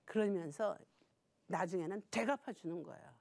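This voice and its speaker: A woman's voice: on the low side, moderate pace, gravelly, a little mellow. A woman professor giving a Christian TV lecture. She talks animatedly and straight to the audience, asks rhetorical questions and acts out little quoted scenes. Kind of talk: Christian TV lecture on family emotions.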